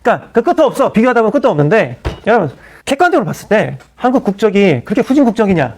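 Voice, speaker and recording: A middle-aged pastor from South Korea preaching in an animated, conversational way, full of asides and acted-out quotes. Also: male voice, sits high, rapid-fire. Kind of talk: sermon.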